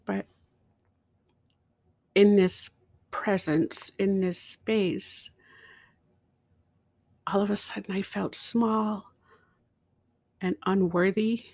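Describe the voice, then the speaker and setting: A woman telling a personal story in a slow, emotional way, with dramatic pauses. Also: medium pitch, fairly even intonation, darkish tone, dry recording, studio quality. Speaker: speaker.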